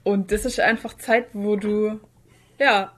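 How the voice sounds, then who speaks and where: A woman's voice: mid-range voice, fairly even intonation, takes it slowly, fairly bright tone. A woman chatting casually as a podcast host, informal and chiming in with short additions.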